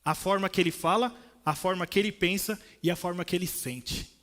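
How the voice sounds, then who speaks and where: Young São Paulo pastor with a Brazilian accent, bright, ringing tone; preaches to a church crowd and plays the people in his stories. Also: sits high, a little fast. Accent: Brazilian Portuguese, São Paulo. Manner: storytelling, acts out voices of people. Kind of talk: sermon. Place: church, indoors.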